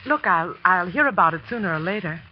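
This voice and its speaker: A woman's voice: fairly low pitch, lively intonation, fairly quick, a crowd in the background, lightly acted. An actress playing an earnest young woman, a new sports teacher who narrates her own story in a 1940s radio drama. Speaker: narrator and lead character. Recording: muffled 1940s radio broadcast with music.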